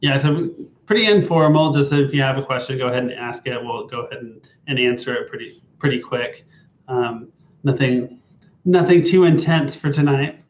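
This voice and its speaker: A young adult man co-hosting a casual live-stream chat, relaxed and informal. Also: mid-range voice, normal speed. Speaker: vlog co-host. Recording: roomy, slightly dull live-stream audio.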